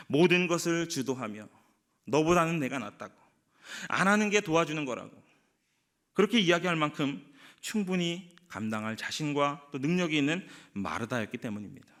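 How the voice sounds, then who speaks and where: A man's voice: fairly high pitch, a bit bright. A man preaching a sermon as pastor, asking the congregation rhetorical questions and acting out quoted speech.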